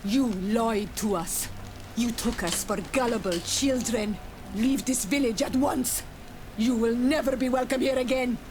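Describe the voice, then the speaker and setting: A woman's voice: fairly high pitch, measured pace, background noise, close to an everyday voice. An actress playing a proud, earnest young tribal woman in a fantasy game, with a firm way of speaking. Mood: indignant. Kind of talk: scripted game dialogue acting.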